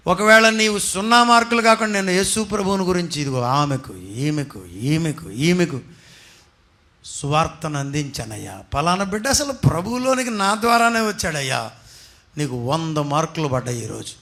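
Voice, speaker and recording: A man preaching to his congregation in a high, ringing voice. His tone is bright and edged, and he keeps pushing the hall with question after question. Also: sing-song, fairly quick, vocal fry. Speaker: pastor. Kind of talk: sermon.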